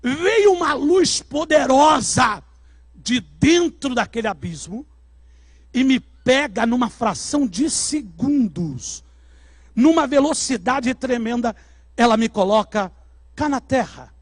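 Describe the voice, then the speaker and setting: Brazilian male preacher, very high voice, dramatic testimony with shouted peaks, dry sound. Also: lively intonation, slow pace, breathy edge, no room sound. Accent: Brazilian Portuguese. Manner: dramatic storytelling, shouting at climaxes. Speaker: pastor. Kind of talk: sermon testimony. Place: church service.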